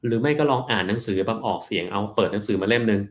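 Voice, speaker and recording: This doctor, a man with a fairly low-pitched voice, takes health questions from his live-stream audience, reading each one out. He replies in a relaxed, plain manner and eases his pace to clarify terminology.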